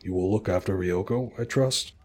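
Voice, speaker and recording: A man voicing a frail, kindly old uncle who speaks slowly and solemnly. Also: deep voice, darkish tone. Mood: grave.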